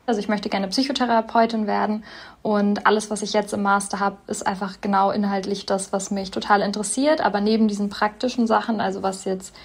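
Earnest young woman with slight fry. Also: medium pitch, little pitch movement, fairly quick. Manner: earnest, thoughtful. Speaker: interviewee, psychology student. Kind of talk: casual interview talk.

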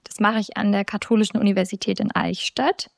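A twenty-three-year-old woman talks thoughtfully and earnestly about her studies. Her voice carries a noticeable gravelly fry. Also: medium pitch, steady tone, fairly quick. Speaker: interviewee, psychology student. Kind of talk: casual interview talk.

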